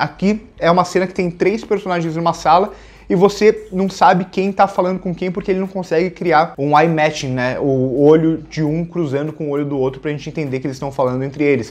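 This man talks at a fairly quick pace with hardly any pauses. His pitch is high, with ordinary variation. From Brazil. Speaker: film critic. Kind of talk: film review monologue. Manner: conversational, unscripted. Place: home room.

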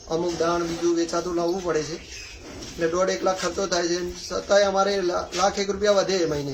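A man speaks in a high voice and a flat monotone over noticeable background noise. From Banaskantha, north Gujarat, India. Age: 30s. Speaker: dairy farmer. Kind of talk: interview testimony.

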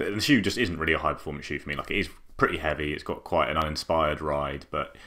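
A man talks at a very fast pace in a very deep, low pitch. His pitch variation is ordinary, and the background is quiet. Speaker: running shoe reviewer. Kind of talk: product review talk to camera. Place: home room. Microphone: phone near.

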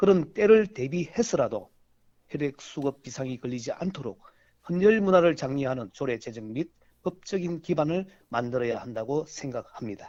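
The voice has a dark, mellow tone and a moderate pace, with very wide pitch swings and big swings in loudness. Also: man, fairly high pitch for a man. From South Korea, South Gyeongsang (Changwon). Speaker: provincial council member. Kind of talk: phone interview. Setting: phone call. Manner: formal.

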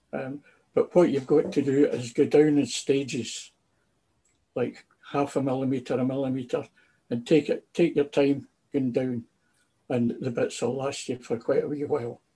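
A man with a Scottish accent speaks at a moderate pace, fairly high in pitch, with a dark, mellow tone and a somewhat breathy quality. His intonation stays fairly even, broken by long, frequent pauses. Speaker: hobbyist club member. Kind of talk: presentation.

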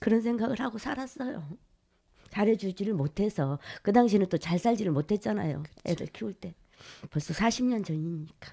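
Recorded very cleanly against a silent background, a woman speaks at a moderate pace in a medium pitch with a dark, mellow, somewhat breathy tone. Her intonation is lively, with big swings in loudness. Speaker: veteran garment worker. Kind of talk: interview.

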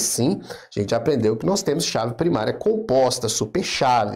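An animated man at a moderate pace, his pitch swinging very widely, with audible room echo. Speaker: online course teacher. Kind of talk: lecture; sales pitch.

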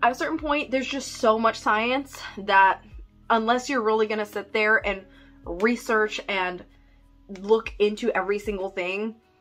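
While faint music sounds in the background, a woman keeps to a moderate pace. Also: ordinary pitch variation. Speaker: book reviewer. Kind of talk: casual vlog chat. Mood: mildly critical, ranty. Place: home room.

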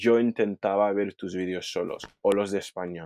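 A man speaks at a fairly low pitch. The sound is dry with no echo, and the background is quiet. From England. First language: English (speaking Spanish). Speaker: Spanish learner; interview guest. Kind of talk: interview. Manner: halting, many fillers. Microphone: earbuds.

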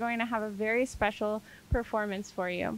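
Her bright, sharp tone and ordinary pitch variation come through in a dry sound with no echo from this woman. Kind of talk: event introduction speech. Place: street. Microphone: handheld.

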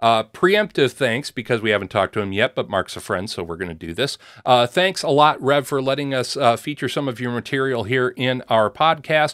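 Delivered at a fairly quick pace with hardly any pauses, the speech has lively intonation over a quiet background. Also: man, medium pitch for a man. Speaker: podcast host. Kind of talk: casual chat. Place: home room. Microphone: studio mic.

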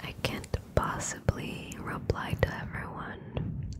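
Whispering and soft-spoken, a woman talks at a very slow pace over loud background noise. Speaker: ASMR creator. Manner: soft close-mic ASMR whisper. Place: home room. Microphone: studio mic.

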